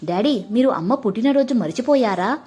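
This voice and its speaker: A woman with a husky voice voicing a grieving young schoolgirl in a storybook reading. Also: a little high, lively intonation, a little fast, warm tone. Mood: earnest. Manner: tearful pleading. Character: young schoolgirl grieving her dead mother.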